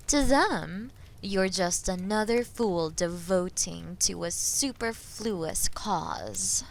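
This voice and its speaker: A woman voicing a haughty, menacing female dragon in a fantasy audio roleplay, taunting and condescending, with a breathy voice that often drops toward a whisper. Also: on the low side, slight background noise, exaggerated voice. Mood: scornful. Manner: taunting, condescending, theatrically slow and deliberate. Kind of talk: scripted fantasy audio roleplay addressed to the listener.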